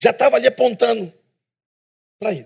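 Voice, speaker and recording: A man with an animated tone. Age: 50s. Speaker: preacher. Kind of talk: sermon. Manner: animated, questioning the congregation.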